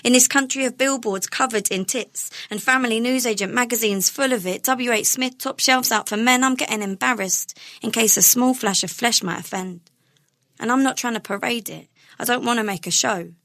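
A woman's voice: a little high, a bit bright, no room sound, clean studio sound. A young woman performing rhyming spoken word poetry in an emphatic, indignant, cadenced delivery.

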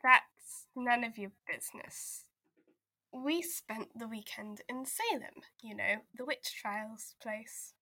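Woman acting a bright-voiced, exasperated investigator. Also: fairly high pitch, slow, no echo, full character voice. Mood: prickly, teasing. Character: exasperated, caring woman investigator, undead arcane being. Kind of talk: audio drama table read.

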